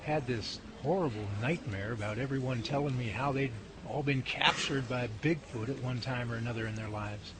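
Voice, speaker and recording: A man's voice: medium pitch, moderate pace, a crowd in the background, lightly acted. A man playing a groggy, wisecracking guy. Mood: uneasy. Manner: wisecracking and grumbling. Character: groggy, self-mocking young man after a nightmare. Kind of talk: hobby radio drama acting. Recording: noisy home recording.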